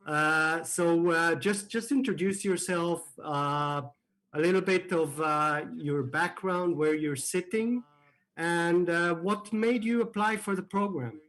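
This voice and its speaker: A man's voice: fairly high pitch, slow, fairly bright tone. Man hosting a hesitant video-call welcome. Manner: hesitant, many fillers and restarts. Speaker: program host.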